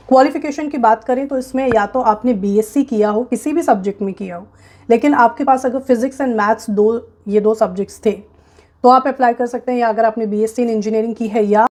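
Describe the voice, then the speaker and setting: A woman with an Indian accent presents a job recruitment guide, explaining things to viewers informally in a fairly high, darkish voice. She is frank and emphatic and mixes English phrases into her explanations.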